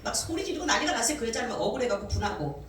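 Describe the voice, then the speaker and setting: A woman's voice: a little high, very fast, slight background noise. Woman preaching in an echoey church. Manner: animated storytelling, acting out quoted voices. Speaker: pastor. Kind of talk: sermon testimony. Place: church sanctuary. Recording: echoey church hall mic from a distance.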